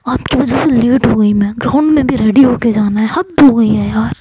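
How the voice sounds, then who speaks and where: A woman's voice: fairly high pitch, normal speed, noisy background, lightly acted. A woman voicing Ishu, a sulky, sarcastic young woman who complains, in whispered role-play. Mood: mocking.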